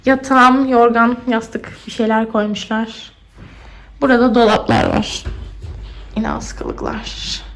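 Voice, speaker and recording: A woman's voice: fairly high pitch, fairly even intonation, takes it slowly. Young woman with a cave-like room echo. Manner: chatty, laughs often, talks to herself. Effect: echoing like a cave in the bare room. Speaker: exchange student vlogger. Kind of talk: casual vlog chat. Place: empty dorm room, indoors. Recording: echoey empty room.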